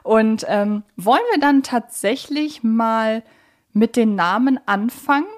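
A woman's voice: fairly high pitch, slow. Chatty woman hosting a podcast. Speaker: podcast host. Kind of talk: conversational podcast moderation.

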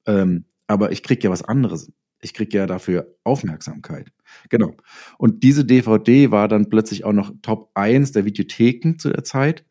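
A middle-aged man with a lowish, dark and soft-edged voice. He talks casually as a guest in an interview, telling anecdotes in a conversational storytelling way with snippets of quoted dialogue. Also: moderate pace. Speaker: interview guest, author and filmmaker.

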